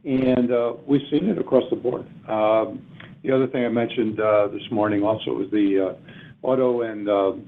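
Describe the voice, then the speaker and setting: Halting low-voiced male executive, phone audio. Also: steady tone, gravelly. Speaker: airline executive answering analysts. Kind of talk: earnings call answers. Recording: thin phone-line conference call audio.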